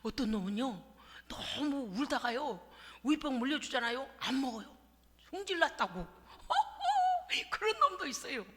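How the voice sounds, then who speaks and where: In a reverberant church hall, a woman pastor with a high, slightly slow voice preaches a sermon over heavy background noise. Her storytelling is lively and humorous, and she acts out little scenes as asides.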